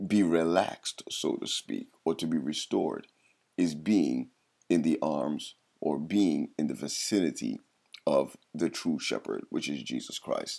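Fairly slow male speech against a quiet background. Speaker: Bible teacher. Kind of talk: devotional teaching. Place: home room. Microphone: webcam.

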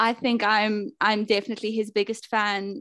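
Monotone, flat delivery in a South African accent at a moderate pace, over a quiet background. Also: woman, dry sound with no echo. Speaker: singer-songwriter and medical student. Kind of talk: casual interview. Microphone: earbuds.

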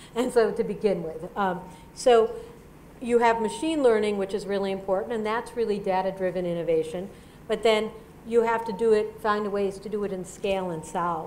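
A woman's medium-pitched voice with ordinary pitch variation over light background noise. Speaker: tech company policy representative; guest. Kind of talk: conference presentation. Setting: conference room. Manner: fast talker. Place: meeting room.

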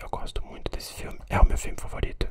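Noticeable background noise fills the clip. A man speaks over it at a very fast pace. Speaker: film reviewer. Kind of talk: casual vlog chat about a film. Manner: soft close-mic ASMR whisper. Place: home room. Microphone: studio mic.

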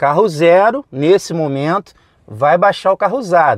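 High pitch from a man, with a dry sound and no echo. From Brazil. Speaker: automotive YouTuber. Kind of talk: casual video commentary. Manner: animated. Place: car. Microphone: lapel.

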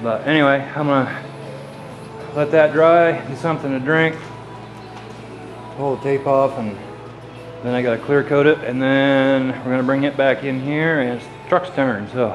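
A man speaks at a moderate pace with fairly even intonation, leaving long, frequent pauses while clear music plays in the background. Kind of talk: casual vlog chat. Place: garage. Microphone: phone near.

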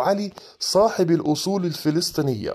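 With an Egyptian accent, a man speaks fairly slowly in a dark, mellow tone at a fairly high pitch. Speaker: football news YouTuber. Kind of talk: news roundup monologue. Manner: animated.

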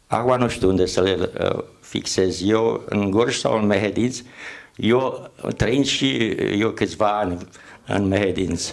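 At a very slow pace with long, frequent pauses, a man speaks in a fairly low pitch with ordinary pitch variation and very even loudness. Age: 60s. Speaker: literary critic moderating a book event; guest. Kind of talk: speech at literary celebration. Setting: hall with live audience. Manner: halting with many fillers. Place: hall. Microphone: handheld.

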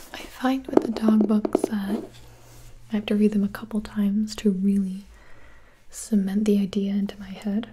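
A soft-spoken woman talks in a gentle tone at a moderate pace with ordinary pitch variation over light background noise. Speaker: book reviewer. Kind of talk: casual vlog chat. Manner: soft-spoken, gentle ASMR voice. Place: home room.

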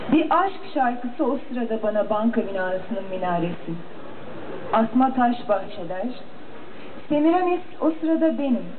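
Speech comes at a fairly slow pace with long, frequent pauses. Noticeable background noise sits behind it. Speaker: translator reading the poem. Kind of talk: reading the Turkish translation of the poem aloud. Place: stage.

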